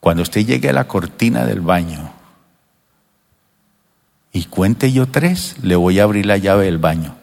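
An older man preaching a sermon to his church, animated and acting out children's voices now and then. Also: low voice, unhurried, gravelly, long pauses. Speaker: pastor. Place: church sanctuary. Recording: long reverb of a church hall.

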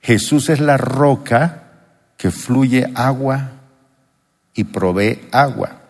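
A man's voice: medium pitch, drawn-out words, darkish tone. A male pastor preaching with emphasis, asking his congregation question after question. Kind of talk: sermon. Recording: long reverb of a church hall.

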